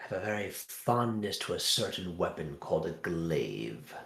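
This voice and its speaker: Someone performs a put-on character voice at a moderate pace. The recording has an audible echo. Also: man, very deep, low pitch for a man. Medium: actual play. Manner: measured, knowing, faintly condescending.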